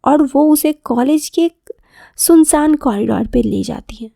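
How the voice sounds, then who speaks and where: A woman's voice: sits high, unhurried, creaky, mellow, no room sound, clean studio sound. A woman narrating a scripted romantic story as a podcast storyteller.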